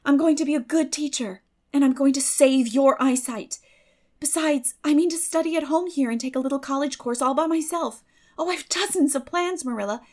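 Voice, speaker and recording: Woman playing an eager, high-voiced teenage girl. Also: moderate pace, darkish tone, natural voice. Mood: determined, hopeful. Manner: eager, effusive, dreamy, emphatic. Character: bright, determined, idealistic sixteen-year-old girl. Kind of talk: dramatic audiobook reading of a classic novel.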